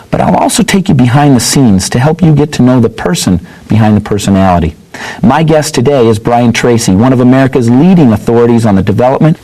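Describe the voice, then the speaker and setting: Mellow-voiced male interview host. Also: mid-range voice, low-quality recording. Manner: scripted intro, then chatty.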